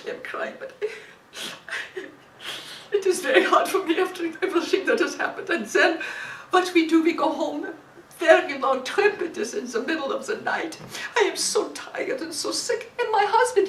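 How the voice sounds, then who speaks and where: A woman playing a widow, high and halting. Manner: halting, repeats words, searches for English words. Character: German war widow, emotional, broken English. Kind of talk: dramatic monologue. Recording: echoey room, distant mic, faint hiss.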